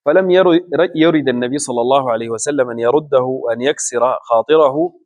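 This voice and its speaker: Guy giving a religious lesson, slow and careful, lots of pauses, mid-pitched voice. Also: darkish tone, lo-fi sound. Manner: slow deliberate explanation with pauses. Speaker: Islamic scholar teaching a book.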